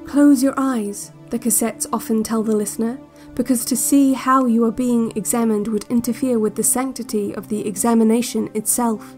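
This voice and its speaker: Woman playing a high, measured institute tape narrator. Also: natural voice. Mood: calm, veiled menace. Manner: measured, calm, quietly menacing. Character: soft-spoken, controlling female institute narrator on a relaxation tape. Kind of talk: scripted relaxation-cassette narration. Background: music.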